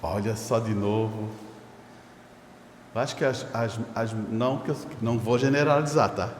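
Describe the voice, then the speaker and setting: A male pastor preaching a sermon, animated and chuckling, addressing listeners directly. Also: fairly low pitch, normal speed, a little hiss or hum. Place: church sanctuary. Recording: echoey church hall reverb.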